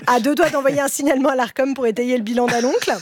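A woman's voice: high voice, steady tone, fast talker, slight background noise. A woman from Lorraine delivering a mocking satirical comedy column on radio, laughing at her own jokes. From Lorraine, France.

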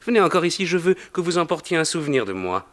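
A man's voice: big pitch swings, fast, a bit bright. A man voicing an elderly, kindly but fussy pope who chatters and teases a visitor in a storybook reading. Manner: chatty, theatrical, swooping pitch. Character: old pope, benevolent, fussy and teasing.

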